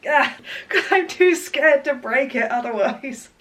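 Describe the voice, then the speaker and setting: A young English woman talks through her sewing at home in a casual vlog, chatty and self-mocking, often laughing at herself. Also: high voice. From England. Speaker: sewing vlogger.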